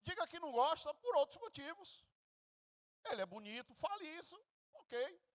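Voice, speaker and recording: A man with a Brazilian Portuguese accent preaching a sermon as a pastor, telling stories dramatically and swinging between loud bursts and hushed passages. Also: extremely high pitch, very animated, normal speed, no room sound.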